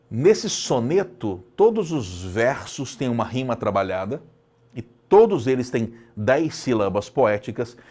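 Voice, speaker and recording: Animated male teacher. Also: mid-range voice. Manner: expressive, emphatic, repeats lines for effect. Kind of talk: video lecture.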